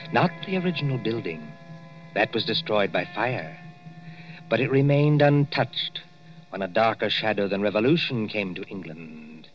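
A man narrating a 1940s radio drama in a measured, dramatic way, on a dull old recording. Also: on the low side.

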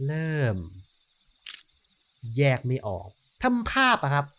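Male game host, higher-pitched voice, casual chatty play-by-play addressed to viewers. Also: huge pitch swings, slow, sharp tone. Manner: chatty, talks straight to viewers while playing. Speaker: gaming channel host. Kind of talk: casual horror-game commentary.

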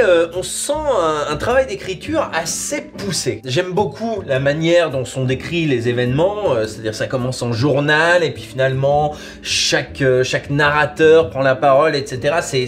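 A young adult man, hosting a casual review to camera. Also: fairly high pitch. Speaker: host reviewing audio dramas. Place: wood-panelled bar room, indoors.

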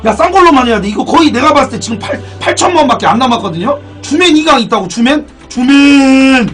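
A young man live-streaming a game, excitable and profane, thanking donors as he plays. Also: very high-pitched, quick pace. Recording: distant mic, background music.

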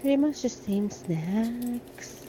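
A middle-aged American woman chats her way through the aisles of a big discount store, thinking aloud about products. Her voice is mellow and soft-edged, picked up by a handheld phone, with faint store hum behind her. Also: fairly high pitch, lively intonation, slow. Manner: chatty, thinking aloud while browsing. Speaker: shopping vlogger. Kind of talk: casual shop-with-me vlog. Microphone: handheld phone camera.

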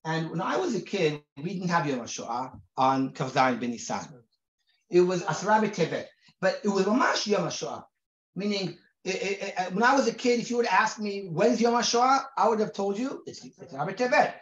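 Israeli-raised rabbi teaching in an echoey room. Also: male voice, high voice, expressive, fairly bright tone. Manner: conversational, many restarts and repeated words; reads Hebrew sources aloud quickly. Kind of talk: recorded lecture to a group. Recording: roomy, dull lo-fi sound.

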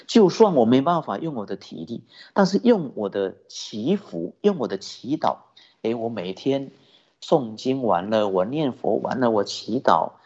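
A man who is a Buddhist teacher, giving a sermon with lively storytelling and rhetorical questions. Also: mid-range voice, a little slow. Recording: dull lo-fi recording.

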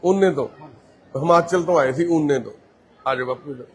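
A man from Punjab, India, the volunteer host of a care society, walking through a care centre and gently reassuring patients and their families. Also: on the high side, normal speed. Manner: gentle and reassuring, calls people mother and brother. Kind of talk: casual on-camera walkthrough talk.

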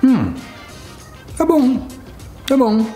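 A man's voice: very high voice, huge pitch swings, very slow, dark tone, faint music behind. A Brazilian man reviewing chocolate in a casual, informal way, talking while chewing. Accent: Brazilian Portuguese. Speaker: food vlogger. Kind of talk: casual product tasting review.

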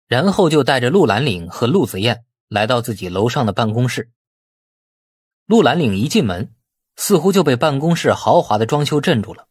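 A man's voice: mid-range voice, breathy edge, no room sound. A man reading a novel aloud as scripted audiobook narration.

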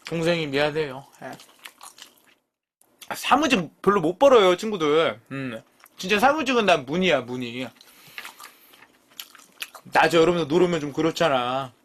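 A man's voice: a little high, normal speed, long pauses, slight background noise. A man in his thirties hosting a live eating stream, chatting casually with viewers and swearing freely as he bickers with them. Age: 30s. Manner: lively, jumps between mumbling and loud outbursts.

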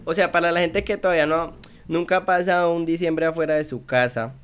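A man's voice: fairly high pitch, fairly even intonation, brisk, slight background noise. A young man with a Colombian accent hosting a casual interview over a video call, chatty and often repeating words as he searches for them. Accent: Colombian Spanish. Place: small room at home. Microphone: headset.

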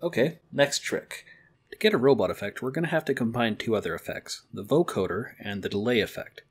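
A young man talks through a software tutorial in a friendly, explanatory way. His voice sits at an ordinary middle pitch. A faint hiss sits under the recording from his home room. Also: brisk. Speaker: library program host. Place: home kitchen-living room, indoors.

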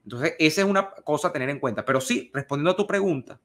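A middle-aged Venezuelan man talks in a casual commentary voice that sits a little high. He reasons carefully and cautiously, and he often stops to restart a word. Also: lively intonation, fast talker, fairly bright tone. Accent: Venezuelan Spanish. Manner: thoughtful, cautious, repeats and restarts words. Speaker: political commentator answering a viewer question.

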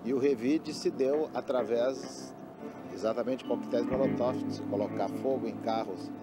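A man's voice: mid-range voice, moderate pace, loud music behind the voice. A man recounting events plainly in a documentary interview.

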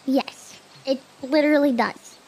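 A woman chatting casually as a vtuber guest, giggly and excitable. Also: high-pitched, measured pace, rough recording. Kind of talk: casual stream chat.

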